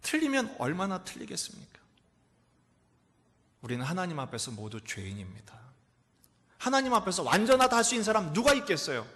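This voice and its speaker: A middle-aged male pastor preaching a sermon in a church, asking rhetorical questions and answering them, swinging from loud exclamations to near whispers. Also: high voice, huge pitch swings, a little fast, long pauses. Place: church sanctuary. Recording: echoey church hall reverb.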